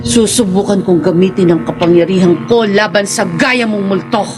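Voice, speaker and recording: A woman's voice: medium pitch, normal speed, background noise, close to an everyday voice. A woman acting in a radio drama as a ruthless gang boss with black magic, taunting and commanding in a theatrical way. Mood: defiant, threatening.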